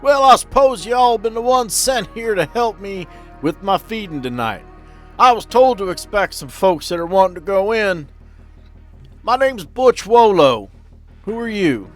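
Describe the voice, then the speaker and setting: Man putting on a high, folksy cowboy rancher. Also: animated, unhurried, fairly bright tone, soft background music. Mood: folksy greeting. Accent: American cowboy. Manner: folksy, drawling.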